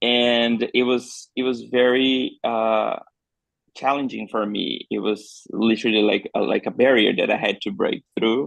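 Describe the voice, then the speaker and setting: Speaking in a Brazilian accent at a moderate pace and medium pitch, a man keeps his intonation fairly even and leaves long, frequent pauses. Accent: noticeable foreign accent, Brazilian. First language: Portuguese. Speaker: actor. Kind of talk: post-show talkback. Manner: hesitant, with many fillers.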